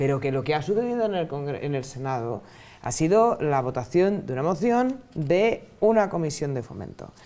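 The voice has a dark, mellow tone and very wide pitch swings, moving at a moderate pace. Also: woman, very deep, low pitch for a woman. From Toledo, Spain; Spain. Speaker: politician, regional deputy and city councillor; politician, city councillor. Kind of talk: political debate. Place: studio. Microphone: lapel.

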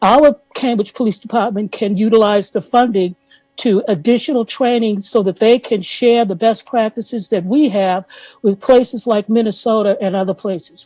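Over music in the background, a woman talks at a moderate pace and a fairly high pitch, the sound dry and close with no echo. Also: ordinary pitch variation. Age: 60s. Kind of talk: public testimony. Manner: halting.

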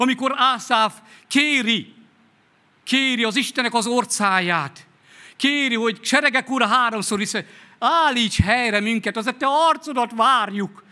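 A man with an extremely high, bright, sharp voice speaks in a raised, projected way with ordinary pitch variation. He moves at a fairly slow pace against a quiet background. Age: 50s. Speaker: guest preacher. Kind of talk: sermon. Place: church. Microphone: podium.

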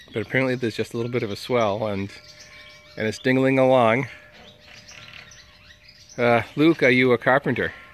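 Faint music plays behind a man who talks with fairly even intonation and long, frequent pauses, the sound dry with no echo. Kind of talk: casual live-stream chat. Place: street. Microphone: phone near.

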